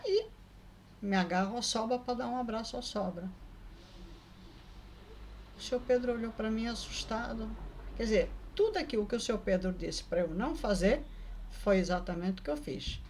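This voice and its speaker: A woman vlogger telling a personal story in a casual, lively way, often adding quick tag questions. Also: a little high, a little hiss or hum. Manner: lively, acts out the people in her story.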